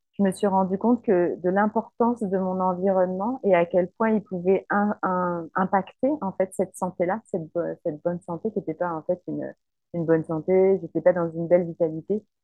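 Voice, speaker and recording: A woman's normal speaking voice at medium pitch with fairly even intonation. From Paris region, France. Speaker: coach and eco-site founder. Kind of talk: interview.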